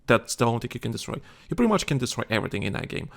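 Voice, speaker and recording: A man's voice: medium pitch, sing-song, very fast, gravelly, fairly bright tone. A tired man co-hosting a casual gaming chat show, rambling with many restarts and fillers. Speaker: podcast co-host.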